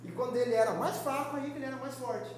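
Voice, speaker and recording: A young man with a Brazilian Portuguese accent teaching a Sunday school sermon in a lively, joking, conversational way. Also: very high-pitched, quick pace, roomy sound, a little hiss or hum. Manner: lively, joking, conversational preaching with quoted voices. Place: church hall.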